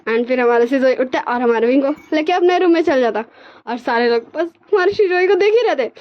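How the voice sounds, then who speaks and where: A woman's voice: sits high, expressive, brisk, highs cut off. A woman narrating a fan fiction story casually, often stumbling and repeating words.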